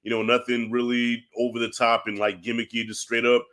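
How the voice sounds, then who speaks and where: A man with a head cold, his voice thick and congested as he chats as a podcast guest. His talk is slangy and animated, and it gets louder when he is excited. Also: mid-range voice, fairly quick, a little hiss or hum. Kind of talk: casual chat.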